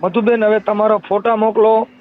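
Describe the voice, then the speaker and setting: A man's voice: sits high, level tone, moderate pace. A man with a Kathiawadi Gujarati accent questioning someone informally by phone and repeating details back to confirm them. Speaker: host taking a caller's complaint. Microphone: telephone line. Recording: tinny narrowband phone call recording.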